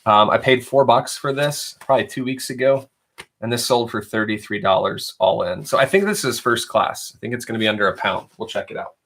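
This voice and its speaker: A man's voice: mid-range voice, fairly quick, a bit bright. A young adult man hosting a casual live stream, chatting in a rambling way and reading viewer questions aloud. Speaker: reseller livestream host.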